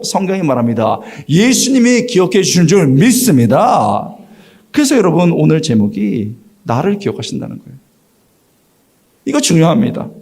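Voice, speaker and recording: A pastor in his sixties preaches to an evening congregation. His voice sits high for a man and has a gravelly edge. He rises and falls a lot in pitch as he tells his stories and acts out the people in them. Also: darkish tone. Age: 60s. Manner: storytelling, acting out quoted dialogue. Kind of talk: sermon. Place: church evening service.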